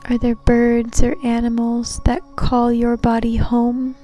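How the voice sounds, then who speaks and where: Woman doing a guided meditation, real slow and mellow, faint music behind her. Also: fairly high pitch, monotone. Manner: soothing, gentle, unhurried. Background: soft background music.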